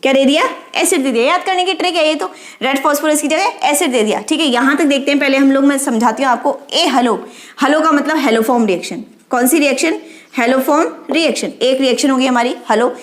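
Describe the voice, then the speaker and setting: A woman's voice: sits high, fairly quick. A woman teaching chemistry with a memory trick, who asks the class questions and answers them herself. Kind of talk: explaining a lesson with a memory trick. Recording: roomy echo.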